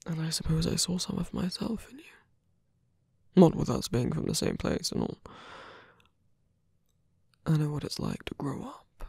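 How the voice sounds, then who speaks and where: A man acts out a villain in love for an intimate ASMR roleplay. His voice is very breathy and gravelly, recorded dry and close. He speaks slowly and hesitantly, often near a whisper, flirtatious yet sincere and protective. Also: fairly high pitch, huge pitch swings, darkish tone, no room sound, exaggerated voice. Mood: hesitant, tender. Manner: halting, hesitant confession with small sighs. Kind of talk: ASMR roleplay, intimate one-sided dialogue.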